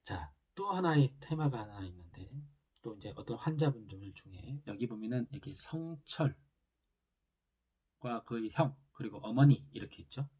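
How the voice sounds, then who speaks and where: A man walks through a drama's plot in an easygoing recap, stringing scenes together with plenty of filler words. His voice sits in a mid range and sounds husky and dark. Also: medium pitch, lively intonation, moderate pace. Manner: loose retelling with many fillers. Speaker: drama reviewer.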